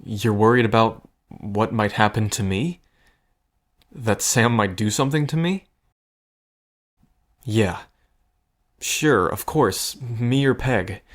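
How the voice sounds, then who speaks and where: A man's voice: on the low side, slow pace, pauses often. A man acting in an audio drama as a protective, wry cousin in a gambling scheme, talking in an earnest, conversational way. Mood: reassuring, earnest. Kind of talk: scripted audio drama acting, addressed to the listener.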